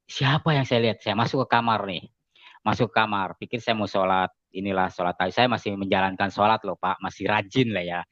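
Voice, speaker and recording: A man with a fairly low voice tells his story casually to an interviewer and acts out what others said. The recording is dry, with no room sound, and somewhat dull and lo-fi. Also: a little fast, no echo. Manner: animated storytelling, acting out quoted dialogue with raised pitch. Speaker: guest giving a conversion testimony. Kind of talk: casual spoken testimony.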